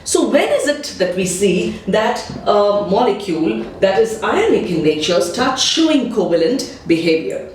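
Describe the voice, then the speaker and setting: A woman's voice: medium pitch, big pitch swings, unhurried, a little mellow, a little hiss or hum. A woman chemistry teacher giving a patient, step-by-step explanatory lesson. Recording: echoey room, distant mic.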